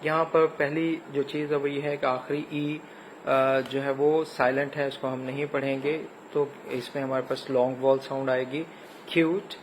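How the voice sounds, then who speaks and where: A man with a Pakistani accent teaching an English lesson, spelling words letter by letter and pausing with frequent hesitations. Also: medium pitch, level tone, slight background noise, rough recording. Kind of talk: recorded classroom lecture.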